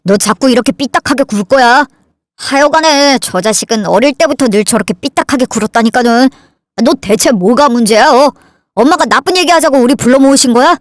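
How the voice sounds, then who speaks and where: A woman's voice: sits high, fairly quick, no echo, studio quality, lightly acted. A woman voicing a hot-tempered older brother who scolds his sibling, in a dramatized story reading. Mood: scolding. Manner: shouting, scolding.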